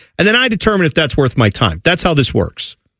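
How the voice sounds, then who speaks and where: A man speaks with a high pitch and lively intonation at a fairly quick pace. The background is quiet. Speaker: radio host. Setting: studio. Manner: bantering, quick, jokey.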